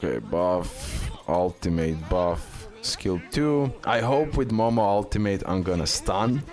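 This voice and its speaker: A man's voice: low voice, very animated, takes it slowly, a little mellow, soft background music. A man hosting a game guide and showcase, talking through it with some hesitant, repetitive phrasing. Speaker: gaming video host.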